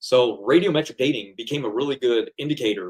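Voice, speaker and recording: In a normal speaking voice, a man speaks at medium pitch and a moderate pace. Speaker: creation science author and presenter. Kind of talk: livestream presentation.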